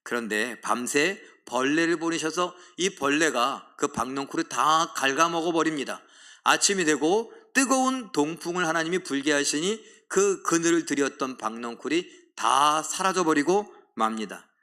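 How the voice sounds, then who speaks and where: A middle-aged pastor delivers a sermon in a bright, ringing voice that sits a little high for a man. He preaches dramatically, voicing complaints with rising force, and leads a group reading of scripture aloud. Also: animated, normal speed.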